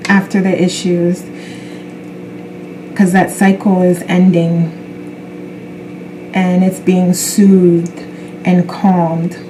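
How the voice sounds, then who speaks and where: A woman speaking as a spiritual self-help influencer, giving an unscripted card reading in a gentle, affirming way with unhurried pauses. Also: fairly low pitch, slight background noise, poor audio. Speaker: tarot card reader.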